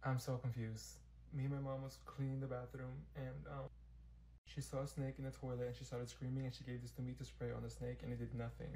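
A man voicing a shy, quiet new schoolgirl who mumbles softly. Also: mid-range voice, little pitch movement, fairly quick, slight background noise, pitched below the performer's own voice, lightly acted, poor audio. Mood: hushed. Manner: hushed, mumbling.

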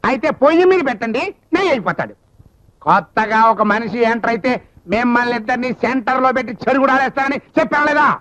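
A short-tempered uncle who barks insults in a very high voice and runs through his scolding at a quick pace. The scene is a film comedy. The sound comes from a dull old soundtrack with music running under it. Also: expressive, fairly bright tone, no echo. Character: bullying, short-tempered uncle and house owner.

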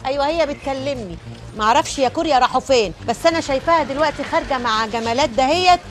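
A woman's voice: high-pitched, expressive, very fast, a little hiss or hum. An actress playing a nosy, gossiping neighbor woman with an Egyptian accent. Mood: gossipy. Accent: Egyptian Arabic.

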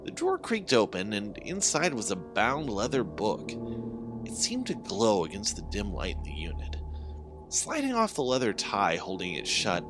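Low-voiced man narrating with swooping pitch. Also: huge pitch swings, moderate pace. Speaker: horror story narrator. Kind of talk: dramatic first-person scripted story narration. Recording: background music under the voice. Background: music.

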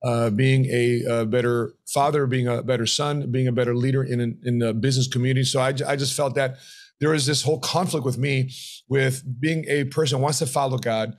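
A middle-aged man, a retirement planner, tells his story as an interview guest, animated and acting out quoted voices, in a home office on a podcast mic. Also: mid-range voice, brisk. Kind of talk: interview conversation. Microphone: podcast mic on boom arm.

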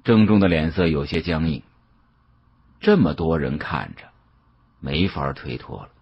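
A man with a husky voice narrating an audiobook story in a dramatic storytelling style. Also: a bass voice, lively intonation, measured pace, dull audio.

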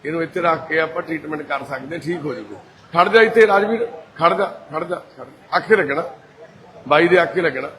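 A man talks softly with the people in his care, his voice sitting fairly high for a man. He keeps a calm, gently reassuring tone in casual conversation. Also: brisk. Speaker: head of a care shelter. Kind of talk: casual talk with residents and families.

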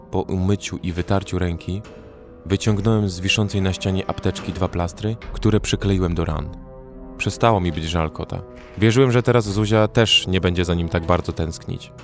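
An actor narrating in first person as a young male survivor in a horror audio drama, with a measured storytelling delivery. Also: lowish voice, darkish tone, natural voice.

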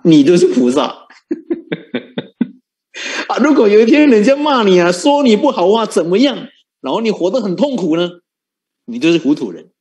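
A man's voice: a little high, a little mellow. A man giving a Buddhist sermon, coaxing his listeners with repeated rhetorical questions and frequent chuckles. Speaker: Buddhist monk teaching.

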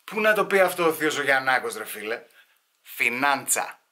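A man's voice: mid-range voice, very animated, bright, forceful tone. A man telling comic stories at home, casual and slangy, sliding into mock voices. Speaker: comedian storyteller. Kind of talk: sit-down comedy storytelling.

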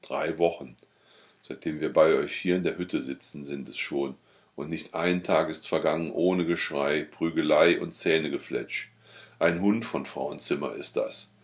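A man's voice: extremely low pitch, measured pace. A man voicing a grumbling, proud young peasant husband with a curt, scornful delivery, in an audiobook. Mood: sullen.

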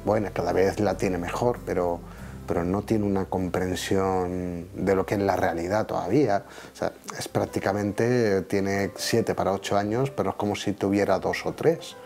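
A father from Spain speaking haltingly about his son, searching for words. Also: low-pitched, steady tone, a little mellow, soft background music. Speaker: interviewee, father. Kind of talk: personal testimony.

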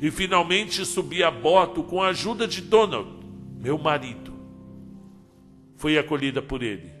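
A man's voice: on the high side, animated, moderate pace. Dramatic male audiobook narrator, echoey hall. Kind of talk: audiobook narration of a short story. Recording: long hall reverb, soft music behind. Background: soft background music.

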